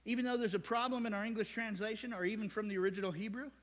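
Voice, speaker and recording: A man with an American Midwest accent, preaching a sermon as pastor, animated and joking with his congregation. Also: high-pitched, very fast, big-room sound. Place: church sanctuary.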